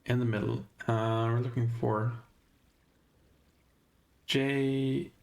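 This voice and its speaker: Slow, gravelly Swedish-accented man. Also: medium pitch, level tone, a little mellow. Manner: thinking aloud while navigating, hesitant. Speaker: let's play host. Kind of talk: gameplay commentary.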